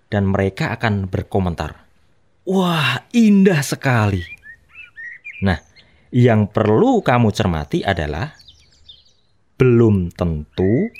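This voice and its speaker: A man teaching students how to read poetry aloud, explaining patiently. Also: fairly low pitch. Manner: patient, explanatory, lively intonation.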